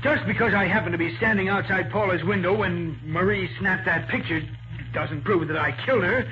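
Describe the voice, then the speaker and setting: A man's voice: sits high, brisk, close to an everyday voice. An actor playing a club boss with a guilty secret, a defiant man in a 1940s radio crime drama. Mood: indignant. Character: smooth-talking male club boss and killer, defiant when cornered. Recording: noisy muffled 1940s radio recording.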